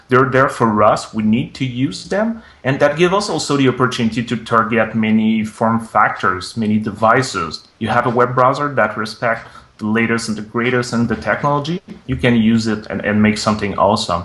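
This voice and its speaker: Speech with a French accent and hardly any pauses. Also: man, medium pitch for a man, ordinary pitch variation, moderate pace. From Quebec. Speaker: technical evangelist. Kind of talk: interview. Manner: halting, with fillers and repetitions.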